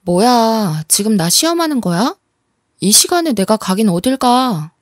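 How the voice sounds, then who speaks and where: A woman's voice: on the high side, lively intonation, normal speed, no echo, clean studio sound. A woman voicing a young wife on the phone who brushes off questions and snaps back when doubted, in a storybook reading. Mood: indignant.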